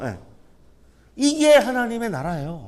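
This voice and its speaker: A man talks amid audible room echo. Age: 60s. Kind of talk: sermon. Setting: church. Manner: animated.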